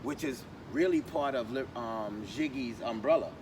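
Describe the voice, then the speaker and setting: A man's voice: mid-range voice, normal speed. A man telling long stories as a podcast guest, rambling with many ums and restarts. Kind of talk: casual storytelling chat. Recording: distant mic, street noise.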